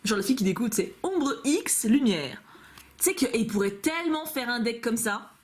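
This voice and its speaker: Bubbly young French-speaking woman, lively pitch. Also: normal speed. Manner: gushing, playful, chatty with frequent laughs. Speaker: YouTuber opening fan mail. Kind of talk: casual unboxing chat. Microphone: camcorder.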